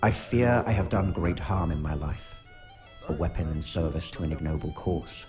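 A solemn alien warrior acted by a man with a low, weighty voice. The speech is measured, formal and troubled, in the manner of science fiction audio drama, with music clearly underneath. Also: natural voice. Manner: formal, measured, stilted wording.

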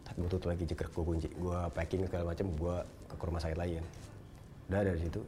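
A man's voice: low voice, level tone, noisy background. A young man, telling a personal story in slangy casual talk. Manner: slangy Jakarta street talk, quick and storytelling. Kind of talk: casual chat.

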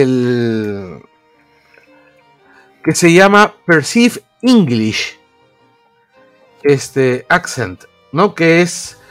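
A man, a podcast co-host explaining at length in casual chat with lots of fillers. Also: high voice. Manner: rambling, explanatory, many fillers.

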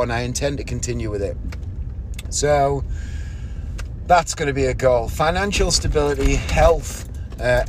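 Sitting in a parked car, a magician in his thirties talks casually and candidly on his own podcast, wandering off topic and frequently correcting himself. His voice is medium in pitch, with slight background noise.

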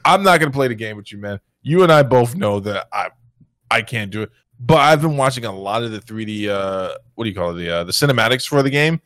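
A man's voice: mid-range voice, lively intonation, fast talker, a bit bright, no echo, studio quality. A man co-hosting a casual gaming chat, teasing his partner and laughing often. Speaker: podcast co-host.

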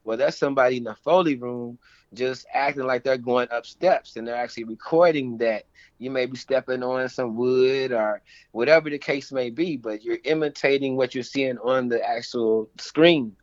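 A man's voice: mid-range voice, normal speed, dry recording. Kentucky-accented male guest, slangy and easygoing, dull lo-fi line. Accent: Kentucky Southern. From Louisville, Kentucky. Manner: laid-back, slangy, enthusiastic. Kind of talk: casual interview chat.

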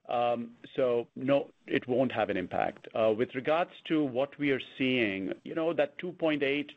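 A man speaking as a company executive, giving unscripted answers on an earnings call and often restarting his sentences. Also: medium pitch. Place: conference call. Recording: dull, band-limited conference call audio.

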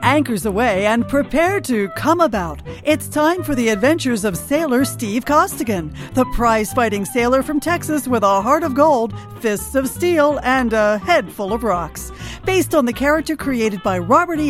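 A woman's voice: a little high, expressive, normal speed. A woman announcer introducing a show in the style of an old-time radio serial. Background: music.

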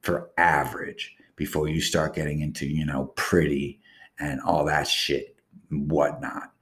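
A man's voice: rumbling low, little pitch movement, a little slow, a bit bright. A man hosting a casual solo podcast, rambling in a boastful, crude way. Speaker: podcast host.

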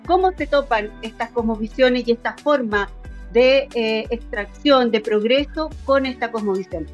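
Ramble a little and restart your phrases as a woman hosting an interview. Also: a little high. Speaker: interview host. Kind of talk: interview introduction and questions.

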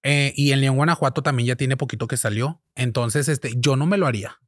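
A woman's voice: rumbling low, brisk, no room sound, clean studio sound. A trans woman with a Mexican accent, a guest talking casually and bluntly, swearing freely. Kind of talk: casual chat. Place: podcast studio.

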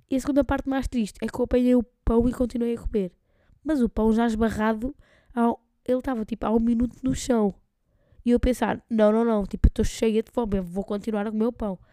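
A woman's voice: a little high, mellow, no room sound, studio quality. Rambling young Portuguese woman, slangy. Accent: European Portuguese. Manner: rambling, slangy, laughing often. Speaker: podcast host. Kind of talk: solo podcast storytelling.

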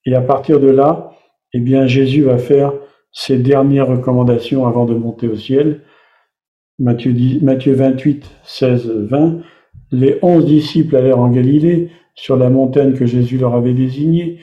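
A man's voice: mid-range voice, steady tone, a little slow. A man preaching a sermon, explaining and reading Bible passages aloud to the congregation. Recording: echoey room, slightly dull sound.

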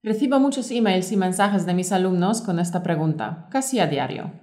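Measured female teacher. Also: on the low side, expressive, a little mellow. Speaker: Spanish teacher, podcast co-host. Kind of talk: scripted course presentation.

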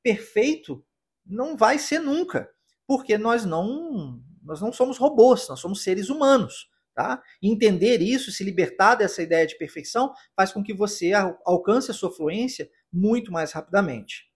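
A Brazilian English teacher with a husky voice, patiently explaining pronunciation step by step in a podcast lesson. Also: mid-range voice, expressive, normal speed. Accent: Brazilian Portuguese.

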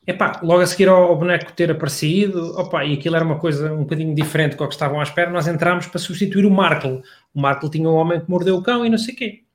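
A man's voice: a little high, racing, few pauses. A middle-aged man with a European Portuguese accent, chatting casually in laid-back slangy talk. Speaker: comedian and radio host, guest. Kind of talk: casual podcast chat.

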